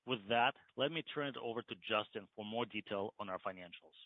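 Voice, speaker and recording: A man's voice: fairly low pitch, brisk, dry recording. A man, a company executive, gives scripted earnings call remarks in a formal, declarative way. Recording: dry, narrow phone-line sound.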